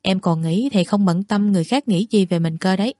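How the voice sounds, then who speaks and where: A woman voicing a playful, pushy young man who coaxes and gently mocks in a storybook reading. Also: medium pitch, quick pace, dry recording, clean studio sound, lightly acted. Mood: teasing. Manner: coaxing, lightly mocking.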